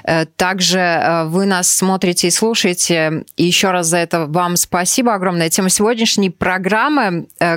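A woman hosts a studio podcast. Her voice sits a little low and sounds close and dry. She stays friendly, with easy filler sounds and a shifting pace. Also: clear, resonant tone, no room sound. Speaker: podcast host. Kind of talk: hosting a studio talk show.

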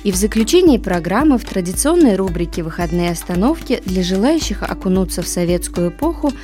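A woman's voice: mid-range voice, sing-song, a little fast, warm tone. A woman radio presenter reading a scripted programme segment. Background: music.

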